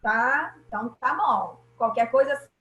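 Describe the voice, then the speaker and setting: A woman's voice: fairly high pitch, a little slow, a bit bright, echoey room, slight background noise, rough recording. A woman teacher with a Brazilian Portuguese accent, patiently explaining grammar in an online class and often checking that students follow.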